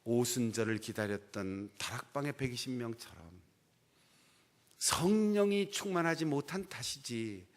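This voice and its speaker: A middle-aged man preaching a sermon as pastor, with expressive delivery that swings between loud emphasis and low, hushed asides, and a folksy, humorous touch. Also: a little slow. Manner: folksy, acts out dialect quotes for humor.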